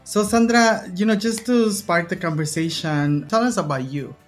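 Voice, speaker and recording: A woman's voice: on the low side, normal speed, soft background music. Effusive woman hosting a podcast. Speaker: podcast host. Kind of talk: ceremonial podcast introduction.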